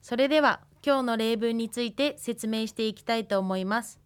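A woman in her twenties from Hokkaido, teaching a radio language lesson, with patient, careful explanations and slow model pronunciations. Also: on the high side, clear, resonant tone. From Hokkaido, Japan. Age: 20s. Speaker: language lecturer.

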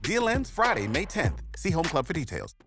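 Loud hip hop ad announcer, swooping pitch. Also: wildly swooping pitch, normal speed, over loud music. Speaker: commercial announcer. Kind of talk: upbeat scripted ad narration.

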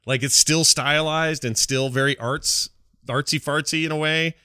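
A middle-aged man co-hosting a podcast, chatting casually and enthusiastically about games with animated, slangy storytelling. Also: a little high, normal speed, smooth, no echo, studio quality. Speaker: podcast co-host. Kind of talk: casual enthusiastic gaming chat.

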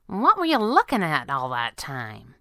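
A woman's voice: sits high, very animated, brisk, sharp tone, no room sound, studio quality, voice pushed up, exaggerated voice. A woman voicing a young female superhero sidekick who is playful, teasing and eager in a storybook narration. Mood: teasing, curious. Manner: playful, perky, coy.

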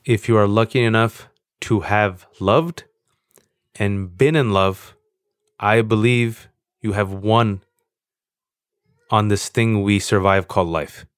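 A man in his forties talking candidly as an interview guest, earnest and animated, with self-mocking storytelling. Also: on the low side, takes it slowly, pauses often, smooth, no room sound, clean studio sound. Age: 40s. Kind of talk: candid conversation.

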